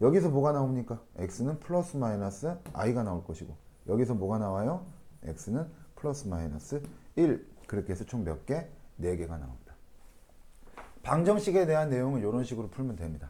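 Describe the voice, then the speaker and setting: A man with a dark, mellow tone speaks at medium pitch and a moderate pace, leaving long, frequent pauses. His pitch swings very widely, and audible room echo surrounds him. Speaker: math teacher. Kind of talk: lecture.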